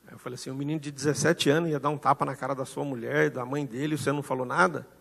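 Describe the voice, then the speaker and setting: Man, Brazilian Portuguese accent, pastor, sermon, long hall reverb, husky tone. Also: medium pitch, steady tone, rapid-fire. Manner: storytelling, acts out dialogue with shifting loudness. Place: church hall.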